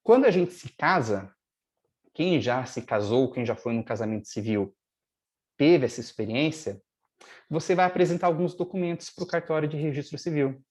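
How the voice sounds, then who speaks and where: A man's voice: fairly high pitch, expressive, moderate pace, a little mellow. Man explaining legal steps at length. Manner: didactic, long-winded, stressing key points. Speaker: lawyer and guest speaker. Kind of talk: explanatory talk in a live webinar.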